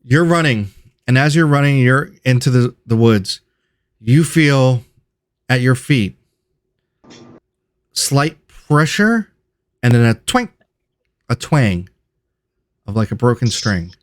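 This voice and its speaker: A man's voice: mid-range voice, animated, slow pace, long pauses, no room sound. A man narrating as game master of a tabletop game, describing scenes in a loose, self-correcting way.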